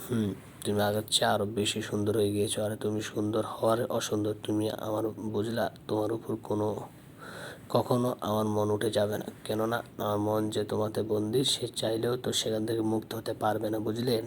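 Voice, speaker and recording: A man's voice: on the low side, monotone, fairly quick, slight background noise, close to an everyday voice. A man voicing a doting, romantic young husband in a storybook audio drama. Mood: soothing. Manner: soothing, affectionate.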